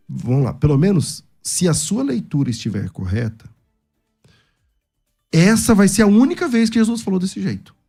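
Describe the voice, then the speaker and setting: A man's voice: medium pitch, dark tone, husky. A man arguing his side in a theological debate, emphatic and argumentative. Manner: emphatic, argumentative, acts out quoted speech.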